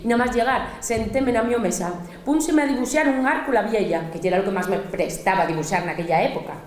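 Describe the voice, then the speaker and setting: A woman with an Asturian accent performing a theatrical storytelling monologue, speaking as a lively, mock-dreamy little girl. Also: mid-range voice, a little fast, echoey room.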